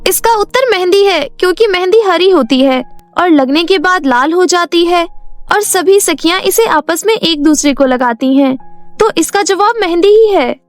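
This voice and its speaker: Woman voicing a very high-pitched earnest young girl. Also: lively intonation, moderate pace, no room sound. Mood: determined. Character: helpful, polite, clever young girl. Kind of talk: animated Hindi moral story acting. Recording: music behind the voice.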